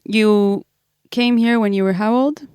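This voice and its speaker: A woman in her thirties from Israel hosts a podcast with a smooth, clear, resonant voice. She is recorded close and dry, with no room sound. Her scripted intro is earnest, and her conversation afterward is relaxed and chatty. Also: medium pitch, a little slow, no room sound. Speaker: podcast host. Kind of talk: scripted intro and casual interview.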